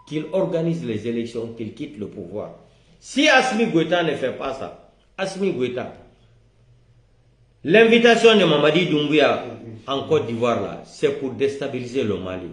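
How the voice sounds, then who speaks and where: A man with a West African accent delivering a vehement, accusatory political rant, with commanding, repetitive and emphatic declarations. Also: medium pitch. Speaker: political video commentator. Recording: roomy, echoing room.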